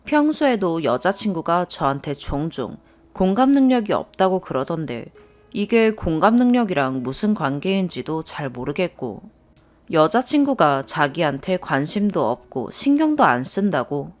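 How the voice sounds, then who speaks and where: Lively low-voiced woman reading a story. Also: moderate pace, faint music behind. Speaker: story reader. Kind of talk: scripted narration of a submitted story.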